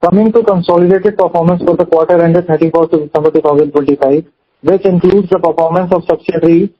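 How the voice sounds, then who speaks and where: A man's voice: fairly high pitch, steady tone, fast. A man with an Indian accent formally reading out scripted financial results as a company executive on an earnings call. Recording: dull, lo-fi conference call audio.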